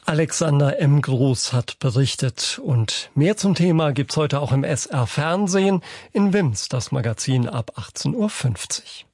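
Husky male news anchor, dry studio. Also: a little high, animated, measured pace, a little mellow, no room sound. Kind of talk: scripted news presenting.

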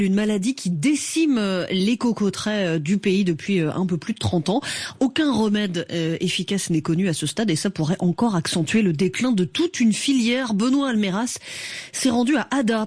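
A radio news presenter introduces reports in a crisp, formal way. The voice is husky, recorded dry in a studio. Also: mid-range voice, a little mellow, dry recording.

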